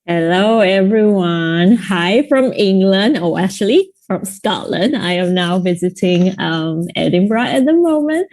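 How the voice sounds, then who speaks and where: A woman psychology lecturer introducing herself at an online seminar, speaking in a measured way with frequent ums, over a video call. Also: medium pitch, lively intonation, darkish tone. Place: home, visiting another city.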